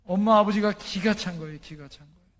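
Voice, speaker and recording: A male pastor preaching a story-driven sermon, often asking the congregation questions and swinging from loud emphasis to hushed lines. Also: high-pitched, quick pace.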